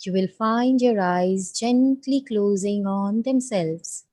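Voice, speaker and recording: A woman leading a guided meditation, giving gentle, soothing instructions with long pauses. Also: mid-range voice.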